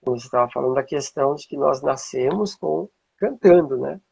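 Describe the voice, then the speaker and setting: A Brazilian man with a husky, gravelly voice, teaching informally and checking in with rhetorical questions, as a music teacher would. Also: medium pitch, fairly quick, mellow, lo-fi sound. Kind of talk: informal explanatory talk with demonstrations.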